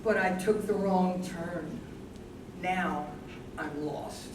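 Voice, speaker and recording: Woman doing older wife losing her memory, slow talker, stage reading, far from mic, super echoey. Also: fairly low pitch. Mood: frustrated, lost. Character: Jeannie, aging wife losing her memory, frustrated, wistful. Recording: roomy, distant stage recording with noise.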